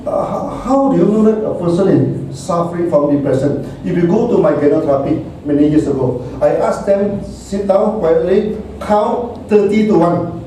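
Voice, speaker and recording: Malaysian man, middle-aged, high-ish mellow voice, halting delivery with frequent repeats, far mic in a very echoey room. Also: expressive, slight background noise. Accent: Malaysian English. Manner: halting, repeats words, chuckles often, mixes in Malay phrases. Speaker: speaker discussing meditation. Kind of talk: casual talk.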